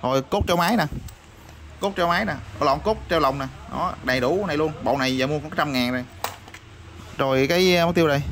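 Fast-talking parts seller. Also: male voice, on the high side. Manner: rapid, repetitive hawking with many fillers. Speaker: used motorbike parts seller. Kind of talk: casual product showcase sales patter. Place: parts shop or workshop. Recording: noisy backdrop with passing vehicles.

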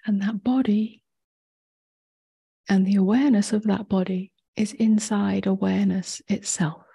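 A woman meditation teacher leading a guided meditation in a soft, breathy near-whisper, gently and with long pauses. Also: medium pitch, fairly even intonation.

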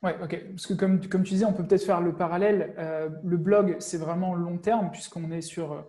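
A young man hosting an interview over a video call, his voice pitched high for a man yet soft and mellow. He talks in a relaxed, encouraging way with plenty of fillers, heard through an earphone mic in a room lined with bookshelves. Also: normal speed.

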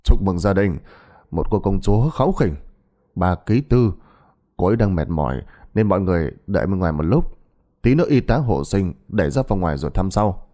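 A brusque older country doctor, played by a male narrator close to his own voice, rattling off quick orders in a matter-of-fact, teasing way. The voice is low and mellow. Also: expressive.

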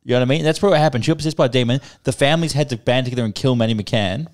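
A man's voice: mid-range voice, very fast. A young man co-hosting a casual podcast from a living room couch into a handheld mic, joking crudely and swearing a lot. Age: young adult. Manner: swears a lot, jokes loudly. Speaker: podcast co-host.

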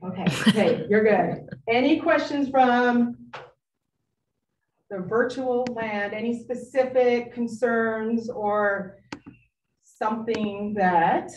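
A middle-aged woman giving a live workshop talk to parents, animated and lively, acting out friends she quotes. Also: on the high side, takes it slowly, slight background noise. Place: meeting room. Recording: echoey room, distant mic.

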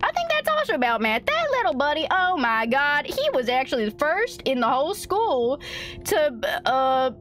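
A woman's voice: high voice, very animated, normal speed, fairly bright tone. A woman livestreaming a game in a put-on American cowboy accent, chatting playfully in a folksy, exaggerated drawl. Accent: put-on American cowboy Western. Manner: folksy, exaggerated cowgirl drawl with mild oaths like gosh dang. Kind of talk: playful in-character game stream chat, reading game text aloud.

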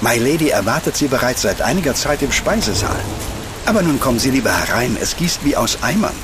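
An actor playing a polite, deferential household butler in a radio drama. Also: male voice, mid-range voice, very animated, a little fast, background noise, close to an everyday voice. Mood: concerned. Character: formal, solicitous household butler. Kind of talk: German radio drama acting.

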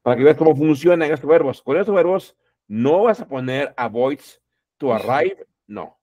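A man teaching a class, repeating each word and its translation, calling out words loudly and then dropping his voice. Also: fairly high pitch, lively intonation, normal speed, dull audio. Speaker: English teacher. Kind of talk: classroom lesson.

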